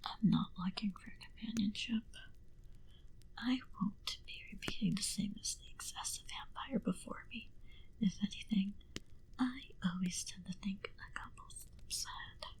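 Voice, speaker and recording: Here the vampire roleplay carries a cool, menacing mood: a woman in a natural mid-range voice whispers breathily and hushed, recounting the proud, menacing vampire's past. She talks slowly and deliberately, condescending coolly to the listener, into a close binaural mic. The recording quality is low.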